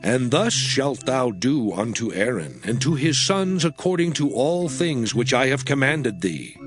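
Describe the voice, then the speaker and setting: Casting: male scripture reader, medium pitch, solemn and declamatory, highly inflected, music underneath. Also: sing-song, measured pace. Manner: solemn, declamatory delivery with archaic diction. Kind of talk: dramatized biblical narration.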